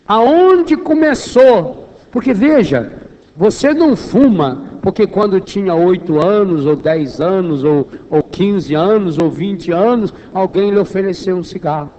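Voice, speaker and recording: High-voiced Brazilian preacher in an echoing hall. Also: male voice, a little mellow. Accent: Brazilian Portuguese. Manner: emphatic, rhetorical questions, repeats phrases for weight. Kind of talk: charismatic sermon to a congregation. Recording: echoey hall, long reverberation.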